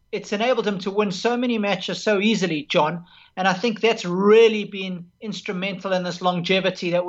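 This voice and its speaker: A man in his forties with a South African accent, a tennis broadcaster and former player, answering interview questions in an earnest, measured way. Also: sits high, lo-fi sound. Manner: earnest, measured, lists points methodically. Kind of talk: relaxed interview conversation.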